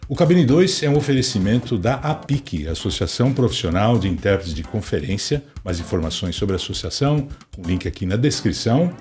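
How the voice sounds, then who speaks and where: A man from Brazil hosting a podcast interview, upbeat and lively as he introduces and questions his guest. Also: fairly low pitch, brisk, few pauses, soft background music. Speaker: podcast host.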